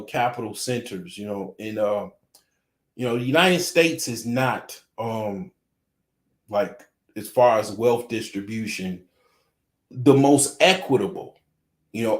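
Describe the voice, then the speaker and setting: Rambling man in echoey room. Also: medium pitch. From Chicago suburbs, Illinois. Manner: rambling, heavy "you know" fillers, chuckles often. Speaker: livestream host. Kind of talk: casual livestream chat reading viewer comments.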